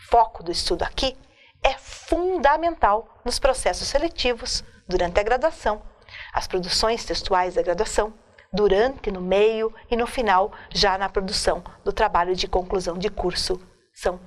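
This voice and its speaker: A woman teacher giving a recorded grammar lesson, slowly and deliberately listing examples one by one at a board. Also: mid-range voice. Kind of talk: video lecture on grammar.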